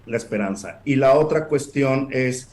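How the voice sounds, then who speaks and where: A man, a guest in a casual online debate, explaining in a measured way with pauses and fillers. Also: mid-range voice, darkish tone.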